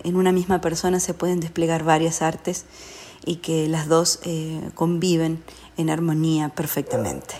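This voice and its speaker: A woman with an Argentine accent speaks in a low register with very little rise and fall. She is a guest offering a personal tribute, reflective and halting, pausing often as she searches for words. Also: darkish tone, a little hiss or hum.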